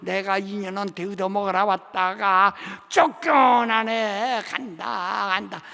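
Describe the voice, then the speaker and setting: A man's voice: high voice, steady tone, gravelly, bright, forceful tone, heavily acted. An old man howling as a bitter ghost being cast out. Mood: wailing. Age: older. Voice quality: howling, drawn-out wails. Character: wailing evicted ghost, bitter and loud. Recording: long reverb of a large sanctuary.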